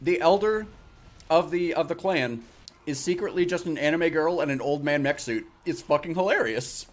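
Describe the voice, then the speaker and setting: A man's voice: a little high, moderate pace. A man in casual voice chat while gaming, joking and teasing. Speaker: gamer chatting while playing.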